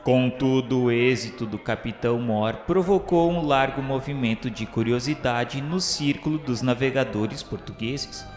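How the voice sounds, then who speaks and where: Male narrator, Brazilian accent, for solemn radio storytelling; literary and measured, drenched in reverb over music. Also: mid-range voice. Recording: echoey hall reverb, music underneath. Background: background music.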